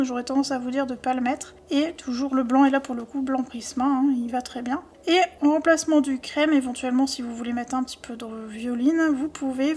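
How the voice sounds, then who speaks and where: High-voiced woman explaining pencil colors. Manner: chatty, listing color codes, self-deprecating asides. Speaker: art tutorial host. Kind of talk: casual drawing tutorial.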